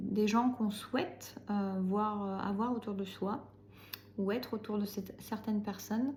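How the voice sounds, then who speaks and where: A woman speaks at a fairly slow pace with a fairly high pitch. Noticeable background noise runs beneath her. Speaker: spiritual channeler. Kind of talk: channeled message. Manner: soft-spoken; slow, halting with many fillers.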